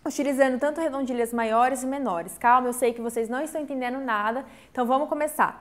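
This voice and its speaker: A woman teacher, giving an online literature lesson, explaining step by step and often checking in with the class. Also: sits high. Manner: explains step by step, counts syllables slowly aloud; checks in with frequent "tá?".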